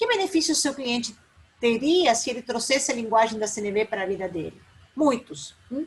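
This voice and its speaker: Noticeable background noise sits behind a woman with a non-native accent. She talks fairly quickly at a fairly high pitch, with lively intonation. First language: not Portuguese (speaking Portuguese). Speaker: psychologist speaker. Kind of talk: lecture.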